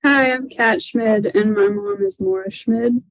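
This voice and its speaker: A young woman reading a short video message slowly and carefully. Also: a little high, very animated, gravelly, dry recording.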